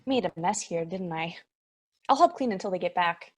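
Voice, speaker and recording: A woman playing a polite, curious demon in an animated comedy table read. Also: lowish voice, normal speed, no echo, clean studio sound.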